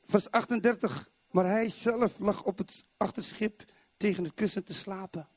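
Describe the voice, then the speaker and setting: A middle-aged man from Zwolle preaching a sermon in church, animated and constantly putting questions to the congregation. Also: high-pitched, moderate pace, slightly rough, no room sound. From Netherlands, Zwolle.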